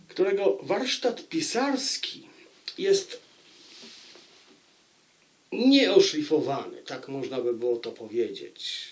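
A man giving an informal spoken book review to viewers, deliberate, with dramatic pauses and repeated phrases for emphasis. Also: a little high. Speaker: book review channel host.

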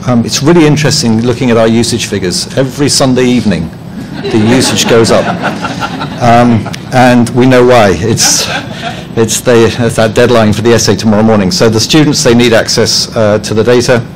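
Halting, dry-humored man giving a talk. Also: mid-range voice, steady tone, noisy background. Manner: hesitant, with many ums and restarts; dry, self-deprecating humor. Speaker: conference presenter, head of publishing. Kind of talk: conference presentation. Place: conference room.

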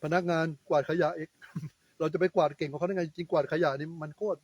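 A man's voice: on the high side, steady tone, fast talker, husky, no echo, lo-fi sound. A man delivering a blunt, coarse political commentary monologue, scolding and swearing freely. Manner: scolding, lecturing tone.

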